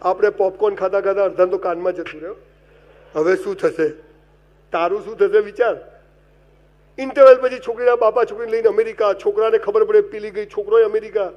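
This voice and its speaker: High-voiced, animated male motivational speaker. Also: fairly quick, lo-fi sound. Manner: animated comic storytelling with wide swings in loudness; addresses the audience directly and gives advice. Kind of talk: humorous motivational speech.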